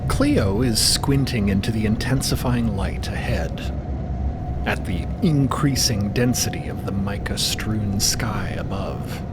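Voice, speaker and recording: A man giving scripted narration for a fantasy audio drama, with rumbling ambience behind him. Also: measured pace, heavy background noise. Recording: steady rumbling ambience under voice.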